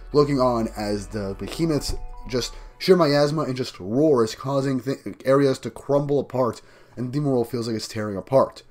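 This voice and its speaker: A man fighting off a cold talks through a manga chapter, his voice a bit groggy and tired. He rambles eagerly and restarts his sentences as he goes. His pitch sits in the middle, and soft music plays quietly underneath. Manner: enthusiastic, rambling recap with restarts. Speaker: manga review YouTuber. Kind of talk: casual manga chapter review.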